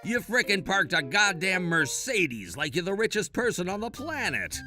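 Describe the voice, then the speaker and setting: A man's voice: high voice, very animated, normal speed, sharp tone, soft background music, pitched above the performer's own voice, full character voice. A man voicing a spiteful, crude bully of a boss who sneers and cackles. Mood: sneering.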